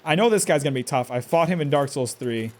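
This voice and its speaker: A streamer with a medium-pitched, expressive voice talks fast while playing a game live. Stressed, he mutters to himself, curses at enemies, and bursts out suddenly.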